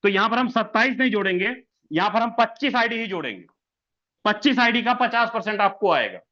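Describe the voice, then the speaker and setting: Pitching numbers in a sales presentation on an online meeting, this business presenter has a high, bright, animated voice and talks fairly quickly. The sound is lo-fi. He keeps repeating figures, throws out rhetorical questions, and says sir again and again.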